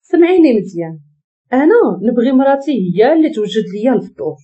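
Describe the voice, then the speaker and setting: Woman doing a curt, bossy Moroccan husband, warm dark tone, muffled recording. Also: a little high, sing-song, quick pace. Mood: stern. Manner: curt, commanding, threatening. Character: stern domineering young husband.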